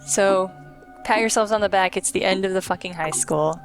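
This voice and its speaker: A woman's voice: mid-range voice, moderate pace. Casual woman commentating over game music. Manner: chatty, opinionated, casual swearing. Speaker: host playing and presenting a video game. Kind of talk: casual let's play commentary. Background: video game music.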